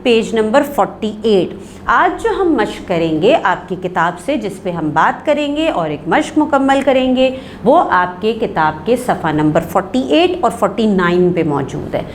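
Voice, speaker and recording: Lively Pakistani Urdu woman teacher. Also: medium pitch, slight background noise. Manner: explains slowly, reads examples aloud with stretched words. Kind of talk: online classroom lesson.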